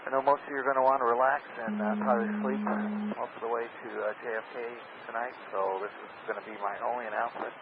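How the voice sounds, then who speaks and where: A man working as an airline pilot, making an informal cabin announcement with hesitant pauses. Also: mid-range voice, steady tone. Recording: tinny narrowband radio, loud static noise.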